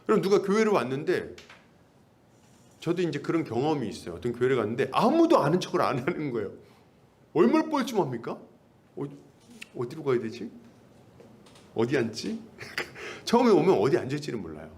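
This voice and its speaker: A man's voice: a little high, wildly swooping pitch, fast talker. A pastor preaching a sermon in a conversational way, asking his congregation questions and acting out little bits of dialogue.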